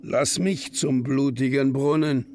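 An actor playing a stern, grave ghost of a seer, halting and oracular, in a radio play of epic verse. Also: male voice, mid-range voice, steady tone, a little mellow, a little hiss or hum, lightly acted. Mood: prophetic.

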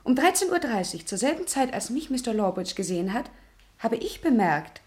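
A woman's voice: on the high side, big pitch swings, fairly quick, a little mellow. An actress playing a poised female witness, polite, precise and coolly accusing, in a German radio crime drama. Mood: cool, composed.

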